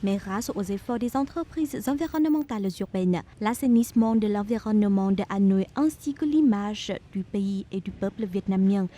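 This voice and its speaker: Mellow woman narrating a news report. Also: medium pitch, normal speed, hardly any pauses.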